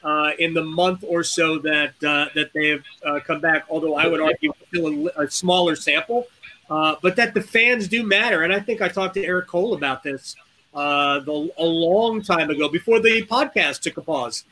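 A man's voice: fairly high pitch, moderate pace, pushed and bright, low-quality recording. A man co-hosting a sports podcast, talking conversationally with lots of fillers. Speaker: podcast co-host. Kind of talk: casual podcast chat.

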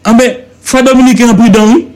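On a radio talk show, a Haitian-accented man with a strikingly high voice delivers fervent political commentary from the studio. He drives home each point through repetition and rhetorical questions. His tone stays steady and a little mellow, and he talks fairly quickly.

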